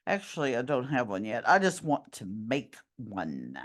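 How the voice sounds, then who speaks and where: A middle-aged woman teacher who is losing her voice, slowly talking her class through each step of a screen-recorded tutorial. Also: very deep voice, wildly swooping pitch.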